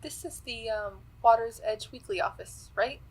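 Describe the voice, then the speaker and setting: Woman as eager, slightly husky twelve-year-old girl. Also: a little high, moderate pace, rough recording. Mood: hesitant. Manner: forthright, slightly cheeky. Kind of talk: audio drama dialogue.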